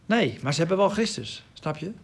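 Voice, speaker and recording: Man, Bible study teacher, emphatic and explanatory, gravelly voice pitched on the high side. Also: big pitch swings, brisk. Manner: emphatic, reads and explains scripture at length.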